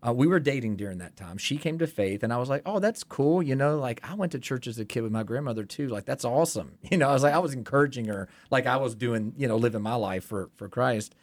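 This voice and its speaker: A man's voice: mid-range voice, lively intonation, quick pace, few pauses, dry recording. A man, a pastor from Tennessee, candidly telling his story as a podcast guest. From Tennessee, USA.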